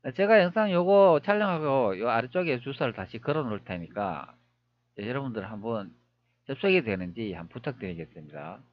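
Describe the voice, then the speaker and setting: A man's voice: mid-range voice, big pitch swings, fairly quick, highs cut off. A man talking viewers through old images on screen, wondering aloud with many rhetorical questions. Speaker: history video creator. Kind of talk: screen-recorded commentary.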